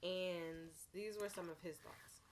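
A woman hosting a podcast, talking in a relaxed, conversational way and asking questions. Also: lowish voice, takes it slowly, slight background noise. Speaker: podcast host. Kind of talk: casual podcast chat.

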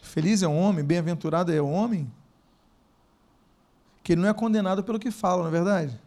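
Male preacher, high-pitched, animated, quizzes the congregation, punches words with loud bursts. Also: quick pace. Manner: asks the congregation questions. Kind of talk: sermon.

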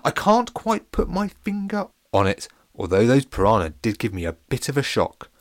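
A man's voice: mid-range voice, huge pitch swings, moderate pace, no echo, studio quality, voice pushed up. A man voicing a cheerful, posh male pancake captain in a storybook reading, with a plummy upper-class manner. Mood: jolly.

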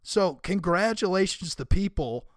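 A young man hosting a casual solo podcast, his voice raspy and hoarse, talking in an opinionated, emphatic way. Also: sits high, animated, measured pace, dry recording, clean studio sound. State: hoarse from screaming and illness. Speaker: podcast host.

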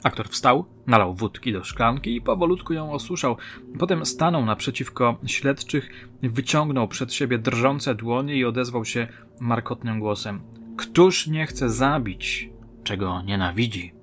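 A man's voice: mid-range voice, normal speed, a bit bright, slight background noise. Man narrating a crime story. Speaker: author and narrator.

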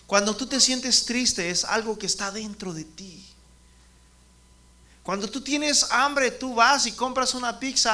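A man's voice: extremely high pitch, pushed and bright. A man giving a children's sermon, often stopping to question the kids by name. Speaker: children's ministry preacher.

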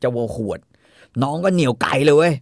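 A man's voice: fairly high pitch, brisk, no room sound, clean studio sound. A man hosting a casual chat, animatedly retelling a story with sound effects.

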